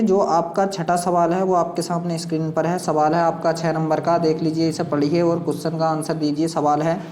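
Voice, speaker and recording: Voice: mid-range voice, darkish tone. Echoey exam tutor. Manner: repetitive instructional phrasing, addressing learners directly. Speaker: exam coaching teacher. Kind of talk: explanatory quiz lesson, reading questions and options aloud. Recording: echoey room sound.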